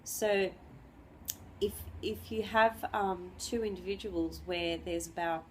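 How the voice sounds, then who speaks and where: A woman astrologer with the flu giving an unscripted lesson, clearing her throat and pausing often with ums and restarts. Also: mid-range voice, steady tone, slight background noise, low-quality recording. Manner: hesitant, many ums and restarts.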